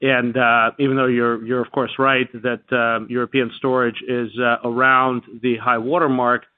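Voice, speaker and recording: A man speaking as a company executive, giving halting, measured, unscripted answers on an earnings call over a phone line. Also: mid-range voice, level tone, no room sound. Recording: narrow-band tinny phone line.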